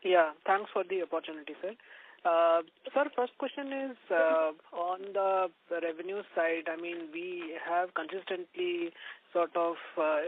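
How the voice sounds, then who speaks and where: A man with an Indian accent putting questions as an analyst on a formal conference call. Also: on the high side. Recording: thin narrow telephone line.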